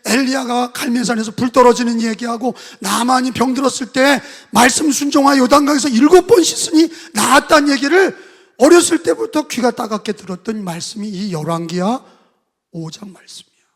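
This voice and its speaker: A man preaching a sermon as pastor, telling the story dramatically and acting out the voices, his volume swinging from loud to soft. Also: extremely high pitch, a little fast. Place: church sanctuary. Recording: long hall reverb.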